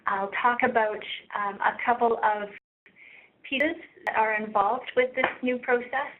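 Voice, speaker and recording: A soft-spoken woman gives a work presentation, her voice a touch high and pausing often on ums. The sound is thin and phone-like, like a webinar recording from a meeting room. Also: fairly even intonation, background noise. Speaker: research practice lead presenting. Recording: tinny phone-like webinar audio.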